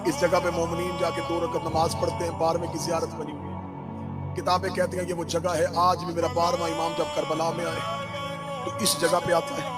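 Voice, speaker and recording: High voiced guy doing a sung mourning sermon, rises into loud cries, music playing loud underneath. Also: monotone, brisk. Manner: melodic sing-song chanting that swells into loud crying cries. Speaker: preacher reciting a mourning sermon. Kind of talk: Muharram mourning recitation. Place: standing between processional banners. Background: loud music behind the voice.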